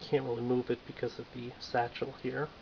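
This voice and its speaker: A man's voice: medium pitch, level tone, brisk. A man casually reviewing a toy figure in a dry, offhand, self-mocking way, in a lo-fi home recording with faint hiss.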